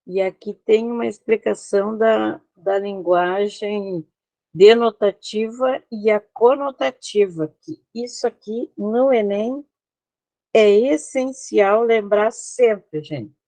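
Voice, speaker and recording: Speaking slowly in a mellow, mid-range voice, this Brazilian teacher walks her online students through slides one step at a time, often pausing to confirm they follow. She has a Brazilian Portuguese accent, and there's no echo.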